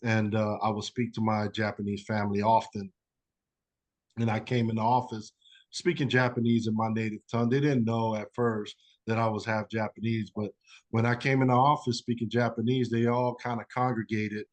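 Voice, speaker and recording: Guy with a lowish voice rambling thru a story, lots of you knows. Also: level tone, normal speed. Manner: rambling, many fillers and "you know". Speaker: guest author. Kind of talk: conversational storytelling.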